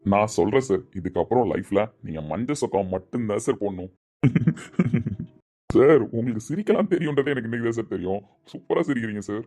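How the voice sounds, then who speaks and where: A man's voice: fairly low pitch, lively intonation, quick pace, hardly any pauses, dark tone. A man speaking dramatic dialogue in an earnest, tender way. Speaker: actor in a family drama.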